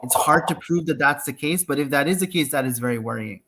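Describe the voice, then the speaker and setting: A man in an online discussion lays out his point in a measured, analytical way. His voice sits slightly high. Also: pushed and bright, slight background noise. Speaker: discussion participant.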